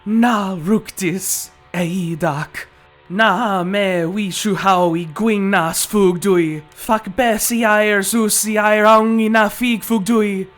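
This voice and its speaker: Man acting theatrical high cartoon fantasy character, music behind. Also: steady tone, slow pace, a bit bright. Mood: declamatory. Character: characters from an animated fantasy show, speaking a constructed language. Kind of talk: dramatic reenactment of cartoon dialogue.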